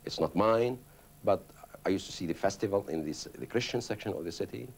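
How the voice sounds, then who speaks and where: A man's voice: low-pitched, fairly quick. A man from Palestine, interviewed, telling reflective and emphatic memories of growing up. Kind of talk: interview recollection.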